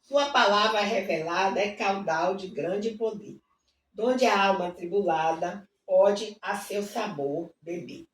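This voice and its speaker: A woman's voice: mid-range voice, slow pace. A woman leads a devotional reading, reciting hymn lyrics with fervent asides and then praying. Her voice sits in a middle range. It carries the echo of a room and sounds set back from the microphone. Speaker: Bible reading host. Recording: roomy, distant mic with faint ambience.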